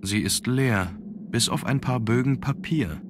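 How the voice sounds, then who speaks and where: A man playing a determined young aristocrat in an adventure game, speaking in a measured, formal way. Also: mid-range voice, background noise, natural voice. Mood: pensive, matter-of-fact. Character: determined young aristocratic man investigating his grandfather's death. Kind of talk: scripted adventure game dialogue.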